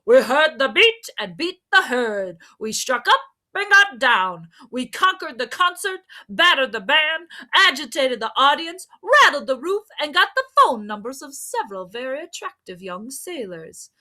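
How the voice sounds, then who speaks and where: Exuberant storybook drums, voiced by a woman, boastful, emphatic, high, animated. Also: measured pace, hardly any pauses, heavily acted. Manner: barging in, emphatic. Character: boastful, rowdy percussion instruments, exuberant partiers. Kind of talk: storybook character voice.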